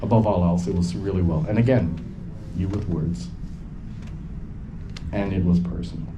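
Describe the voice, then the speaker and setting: A man's voice: low voice, moderate pace. A man hosting a casual screening discussion, joking and self-mocking, recorded on a handheld phone in a venue. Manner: playful, camp self-mocking. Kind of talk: casual onstage interview. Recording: phone recording with background noise.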